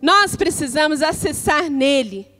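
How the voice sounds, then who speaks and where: A woman pastor with a Brazilian Portuguese accent preaching a sermon in church, measured and declarative, with rhetorical questions. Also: sits high, animated, pushed and bright, faint music behind.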